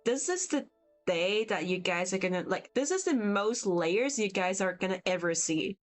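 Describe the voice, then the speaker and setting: A woman's voice: medium pitch, animated, moderate pace, faint music behind. Chatty young woman streaming art. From Hong Kong. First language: Cantonese. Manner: chatty and rambling, answers viewer chat as she works. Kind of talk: casual livestream chat while drawing. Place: at home on vacation. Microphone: poor-quality mic.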